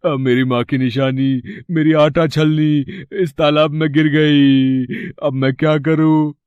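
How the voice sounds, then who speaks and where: A man's voice: a little high, little pitch movement, slow pace, clear, resonant tone, no room sound, muffled recording. A man voicing a greedy scheming older brother. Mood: fake-weeping. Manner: wheedling, fake-weeping, then panicked. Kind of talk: cartoon voice acting.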